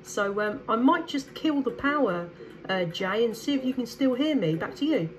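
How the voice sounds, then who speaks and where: A woman from southeast England with a southern English accent chats casually over two-way CB radio, enthusiastic and effusive. Her fairly high voice is animated at a moderate pace. Music plays underneath, and the audio is poor.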